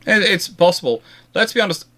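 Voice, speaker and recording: A man's voice: high-pitched, animated, a little fast, pushed and bright. Rambling man chatting history. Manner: rambling, discursive, often circling back to rephrase. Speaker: host answering viewer questions. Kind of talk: casual naval history question-and-answer chat.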